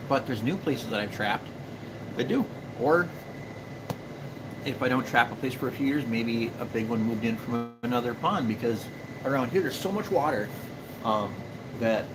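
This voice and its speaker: Easygoing Upper Midwest man, noisy background. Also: mid-range voice. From Minnesota. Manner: rambling, easygoing, frequent fillers and restarts. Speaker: livestream host and beaver trapper. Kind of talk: casual live stream chat answering viewers.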